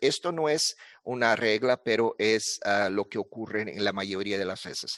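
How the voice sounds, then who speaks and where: A man with a non-native accent speaks at a fairly slow pace with lively intonation, in a dry, close sound with no echo and a quiet background. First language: not Spanish (speaking Spanish). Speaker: university international affairs speaker. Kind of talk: conference talk. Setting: virtual conference. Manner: halting, many fillers.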